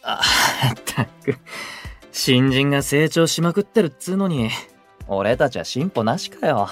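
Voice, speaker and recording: An actor playing a brash, cocky young male idol in a Japanese voice drama, with blunt, swaggering, rough speech. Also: medium pitch, lively intonation, a little slow, faint music behind. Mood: heated, exasperated. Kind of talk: Japanese anime-style voice drama acting.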